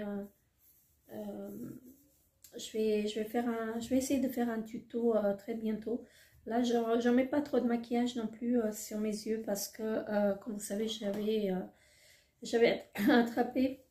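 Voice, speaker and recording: A woman's voice: on the high side, dark tone. Woman vlogger, casual haul chat, gushing with lots of fillers, in a roomy echo. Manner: hesitant, many fillers, gushing. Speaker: beauty vlogger.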